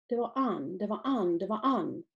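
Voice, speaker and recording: A woman author reading aloud from her own novel in a measured, quiet literary manner. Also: mid-range voice, lively intonation, muffled recording.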